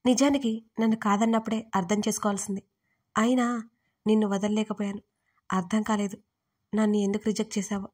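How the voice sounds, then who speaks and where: A woman voicing a possessive, angry young male lover in an audio story, talking in an accusing, forceful way. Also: mid-range voice, level tone, fairly quick, pauses often, close to an everyday voice. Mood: pleading.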